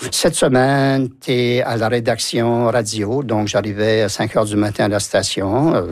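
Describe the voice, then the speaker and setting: A man's voice: medium pitch, unhurried, no echo. Give me an older Acadian man recalling his early years, in a dead, dry room. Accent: Acadian French. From New Brunswick, Canada. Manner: lively anecdotal storyteller, acts out quotes. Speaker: guest, former journalist. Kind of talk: storytelling interview.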